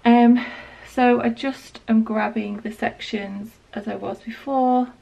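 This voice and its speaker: Northern English woman, late 20s, croaky with a sore throat, gravelly, rambling vlog chat. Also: fairly high pitch, slow, far from the mic, low-quality recording. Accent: Northern English, Lancashire. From England. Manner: relaxed, rambling, lots of ums and likes. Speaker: beauty vlogger. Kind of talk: casual hair tutorial. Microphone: small external mic.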